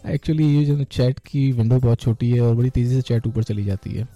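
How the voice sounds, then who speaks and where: A man's voice: medium pitch, normal speed, dark tone, no room sound, lo-fi sound. A man hosting an online radio show, chatting casually and affectionately with listeners, often laughing and slipping into English. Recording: faint music underneath.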